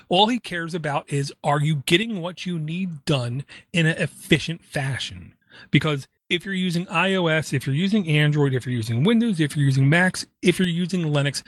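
An opinionated man from Ireland, co-hosting a tech podcast in animated bursts and pausing often on "um". His voice sits a bit high for a man. The recording is close and dry, with no room sound. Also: no room sound. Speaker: podcast co-host. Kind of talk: casual tech podcast chat.

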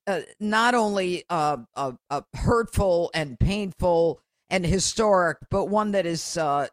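A woman's voice: fairly low pitch, dry recording. An American woman hosting a radio talk show, who speaks emphatically with frequent "uh" fillers.

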